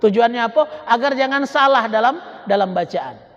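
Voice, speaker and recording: A man giving a Quran study lecture as a religious teacher, slowly drawing out recited Arabic phrases and repeating his explanations. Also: very high voice, fairly bright tone. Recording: echoey hall, dull lo-fi sound.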